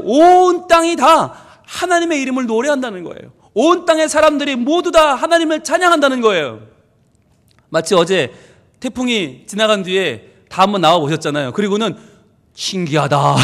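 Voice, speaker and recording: High, lively-voiced male pastor preaching. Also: big-room sound. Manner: emphatic, conversational preaching with playful asides. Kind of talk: sermon.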